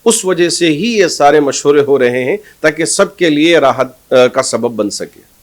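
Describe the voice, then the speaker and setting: A man gives a formal, measured public statement as a cleric, explaining and reassuring his community. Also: on the high side, lively intonation.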